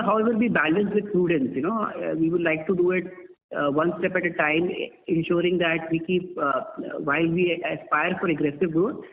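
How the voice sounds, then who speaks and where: A man with an Indian accent, a company executive answering investors in measured corporate speech peppered with "you know", over a tinny conference line. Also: on the high side. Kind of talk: earnings call answers. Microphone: telephone.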